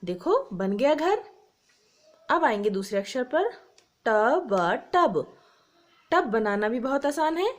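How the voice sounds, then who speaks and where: A woman teacher giving a slow, patient primary school Hindi lesson, spelling words out letter by letter. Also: high-pitched, big pitch swings.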